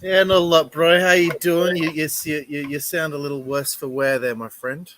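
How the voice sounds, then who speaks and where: A man's voice: a little high, fairly even intonation, moderate pace, fairly bright tone, slight background noise. A man co-hosting a podcast in casual chat, laid-back and understated in his opinions. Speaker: podcast co-host.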